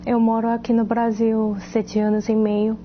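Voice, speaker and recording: A woman from South Korea with a Korean accent, a Korean native speaker, giving a halting personal testimony, muffled with faint noise. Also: on the high side, monotone. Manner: halting, searches for words.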